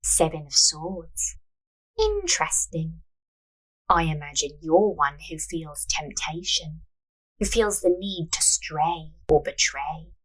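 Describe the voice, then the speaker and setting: Fortune teller for audio drama, played by a woman: calm, soft, measured, authoritative, slightly husky. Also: sits low, full character voice, rough recording. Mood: knowing, probing. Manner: slow, soft, authoritative delivery.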